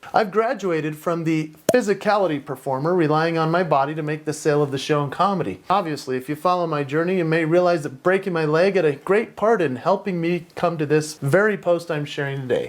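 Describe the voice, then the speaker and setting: Hardly pausing at a fairly quick pace, a man talks in an unremarkable speaking voice with a fairly high pitch and ordinary pitch variation. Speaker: entertainer and keynote speaker. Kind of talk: personal talk to camera.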